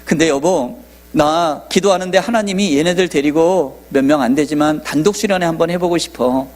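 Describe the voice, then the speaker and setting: A man's voice: a little high, moderate pace, darkish tone. A man in his forties, a pastor telling a personal testimony in a sermon and acting out dialogue. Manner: storytelling, acting out quoted dialogue.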